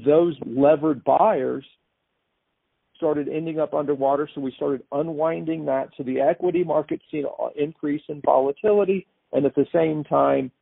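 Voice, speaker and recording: A man's voice: fairly high pitch, moderate pace, vocal fry, breathy edge, no echo. A man giving unscripted financial commentary as an analyst, with opinionated, emphatic phrasing. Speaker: market commentator. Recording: thin phone-like line.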